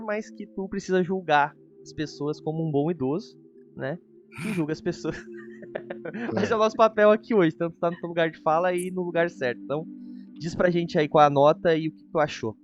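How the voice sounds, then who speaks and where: A Brazilian man with a fairly high voice hosts a relaxed review chat. He talks informally and chattily. The sound is a little dull, with faint music underneath. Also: normal speed. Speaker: host. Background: faint background music.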